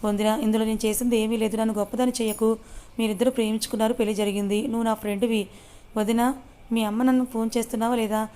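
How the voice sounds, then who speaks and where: A woman's voice: on the high side, flat delivery, very fast, warm tone, smooth, close to an everyday voice. A woman reading as a feisty young heroine. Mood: friendly. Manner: scolding, exasperated. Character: feisty young woman, scolding but caring.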